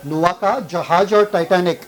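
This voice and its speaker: A man's voice: high-pitched, unhurried, rough recording. A man, a pastor, preaching a sermon and pressing the congregation with questions. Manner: questions the congregation and drives for answers.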